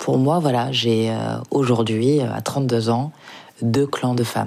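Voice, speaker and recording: With a dark, mellow tone, a woman speaks at a very deep, low pitch and fairly even intonation. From Nice, southern France. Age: 30s. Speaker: podcast guest. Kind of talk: personal testimony interview.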